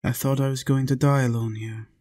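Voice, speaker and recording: A man playing a lonely, tender, centuries-old vampire in an intimate roleplay audio, confiding softly and earnestly. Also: medium pitch, steady tone, fairly quick.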